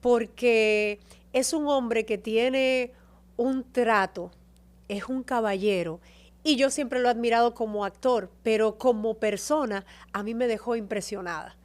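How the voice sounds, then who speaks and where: A woman telling stories as a podcast guest, warm and expressive about her career and her home country. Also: fairly high pitch, measured pace. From Dominican Republic. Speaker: guest, actress and TV presenter. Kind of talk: casual interview chat.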